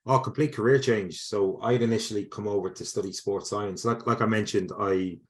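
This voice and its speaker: A man's voice: on the low side, fairly even intonation, brisk. A man with an Irish accent, a sports psychology lecturer answering interview questions in a casual, conversational way, often restarting and repeating words. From Ireland.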